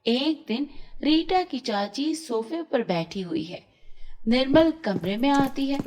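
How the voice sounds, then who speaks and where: Female storyteller for kids' cartoons: high, lively pitch, slow delivery. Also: a little hiss or hum. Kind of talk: scripted children's story narration.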